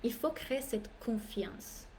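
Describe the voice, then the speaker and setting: A woman coach, French not her first language, talks to her audience in a lively, emphatic way, with theatrical asides. Her voice sits a little high but sounds mellow and soft-edged. A faint hiss runs under the recording. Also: takes it slowly. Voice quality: animated, playful, theatrical asides. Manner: emphatic, repeats phrases for effect. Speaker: business coach. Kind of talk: live masterclass talk.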